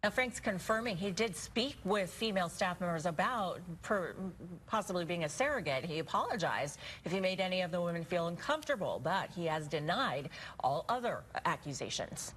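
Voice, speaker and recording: A woman anchoring a live newscast with a slightly low-pitched voice. She mixes scripted delivery with ad-libbed lines, and there is faint noise behind her. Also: expressive, normal speed, a bit bright, poor audio. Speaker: news anchor filling in on weather.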